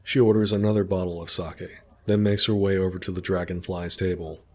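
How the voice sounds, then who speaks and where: Deep-voiced man narrating a story. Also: little pitch movement, fairly quick, a little mellow.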